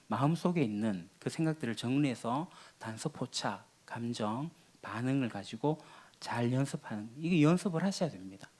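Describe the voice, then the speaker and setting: A man's voice: medium pitch, a little mellow. A man preaching a sermon as pastor, teaching in a conversational way with rhetorical questions. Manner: teaching, acts out quoted lines of everyday quarrels.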